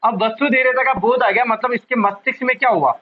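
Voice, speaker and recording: The audio is dull, and the man's voice is very high. He teaches psychology in an online exam-prep lecture, stretching out key words for emphasis, repeating important terms and frequently quizzing his class.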